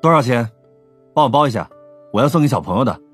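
An actor playing a cool, terse police detective in an audio drama. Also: male voice, medium pitch, animated, fast, soft background music, lightly acted. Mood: casual, probing.

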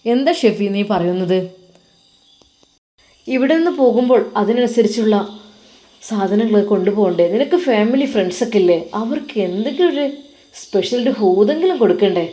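A woman's voice: medium pitch, lively intonation, moderate pace, long pauses, dark tone, lightly acted. A woman voicing a generous Arab male employer who keeps coaxing with friendly questions.

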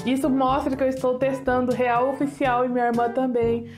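A chatty woman in her thirties from Brazil, reviewing hair products to camera with a high, bright voice. She talks with easy enthusiasm and pokes fun at herself, recorded on a lapel mic in a small home studio. Soft music plays faintly underneath. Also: little pitch movement, a little fast.

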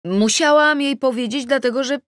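A woman's voice: high-pitched, normal speed, no echo, clean studio sound, pitched above the performer's own voice, natural voice. A woman reading an audiobook, voicing a defensive, flustered middle-aged bride-to-be who bristles and exclaims as she justifies herself. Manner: emotional, exclaiming, self-justifying. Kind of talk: acted audiobook dialogue.

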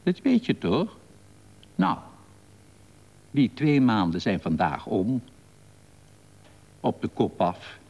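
A man's voice: lowish voice, big pitch swings, slow pace, gravelly, pauses often, a little mellow, full character voice. An older man reading the lines of a timid, nervous younger man, hesitant and jittery, on a reverberant old broadcast tape.

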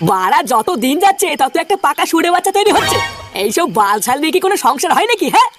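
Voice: high voice, sing-song, quick pace, over music. An actor playing a cantankerous, foul-mouthed old head of the family in a comic cartoon, scolding and grumbling. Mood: angry, grumbling.

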